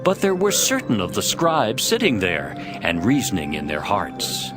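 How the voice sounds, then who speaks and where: A man's voice: lowish voice, huge pitch swings, moderate pace. A man narrating a dramatized scripture reading from a script. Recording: music behind the voice.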